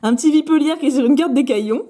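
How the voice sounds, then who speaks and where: A young woman chatting excitedly as she opens fan mail at home, with many fillers. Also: sits high, quick pace. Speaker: vlogger opening fan mail. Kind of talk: casual unboxing chat.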